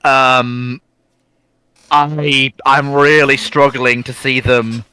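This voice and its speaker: A man's voice: mid-range voice, flat delivery, very slow, bright, forceful tone, smooth, no echo, low-quality recording. A man in an informal expert discussion, explaining in colloquial terms and piling up point after point. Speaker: naval history discussion panellist.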